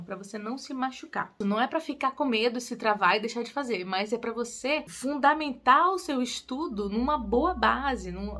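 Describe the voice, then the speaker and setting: Talking straight to camera, a young singing teacher gives relaxed tutorial tips. Her delivery is upbeat and supportive, with quick upward pitch jumps whenever she stresses something.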